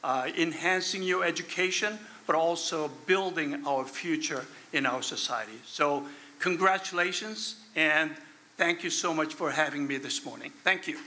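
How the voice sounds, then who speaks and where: Halting man with a bright voice. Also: on the high side, low-quality recording. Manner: halting, with fillers and restarts. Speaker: guest speaker. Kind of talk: public speech at a ceremony. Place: large indoor banquet hall, on stage at a podium.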